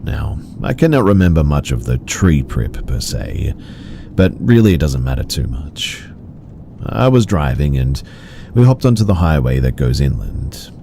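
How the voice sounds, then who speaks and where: A man reading out horror stories in an even, measured storytelling delivery. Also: rumbling low, creaky, a little hiss or hum. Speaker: story narrator. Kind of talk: scripted horror story narration.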